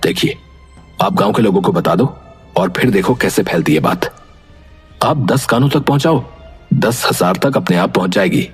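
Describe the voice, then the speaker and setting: A man playing a sly young village man who talks rapidly and persuasively in a story. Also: sits low, lively intonation, slightly rough, soft background music, voice pushed down, heavily acted. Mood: scheming.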